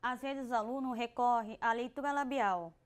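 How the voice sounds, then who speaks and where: A woman's voice: a little high, clear, resonant tone. A young deaf woman with a Brazilian Portuguese accent, a guest on a TV talk show, explaining carefully. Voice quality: deaf speaker who lip-reads. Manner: measured, explains carefully with some restarts. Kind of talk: studio talk show interview.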